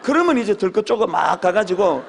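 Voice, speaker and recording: A male pastor preaching a sermon, telling humorous stories with sudden shouted exclamations. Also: high-pitched, very animated, a little fast, creaky, slight background noise. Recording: long hall reverb.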